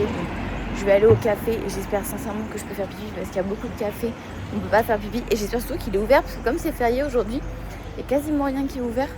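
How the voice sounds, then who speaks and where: A young woman vlogging casually as she walks through city streets, chatty and rambling as she thinks aloud. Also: a little high. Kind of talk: casual travel vlog while walking. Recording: street noise, passing traffic. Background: urban street ambience with vehicles.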